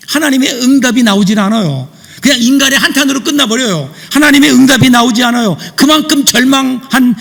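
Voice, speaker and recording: A man's voice: extremely high pitch, vocal fry, a bit bright. A man preaching a sermon as pastor, earnest and full of rhetorical questions to the congregation. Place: church sanctuary. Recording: long church hall reverb.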